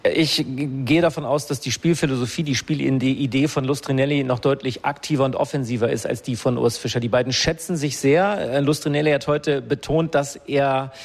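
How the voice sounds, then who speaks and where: A man's voice: mid-range voice, fairly even intonation, a little fast, gravelly, hardly any pauses, big-room sound. A man reporting live to the studio as a sports reporter, fluent but with frequent hesitations and restarts.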